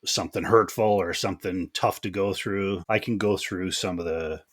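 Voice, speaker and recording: A man's voice: low-pitched, fairly even intonation, moderate pace. A man hosting a podcast, asking questions in an easygoing, chatty way. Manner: easygoing, chatty, laughs along. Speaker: podcast host. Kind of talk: casual interview chat.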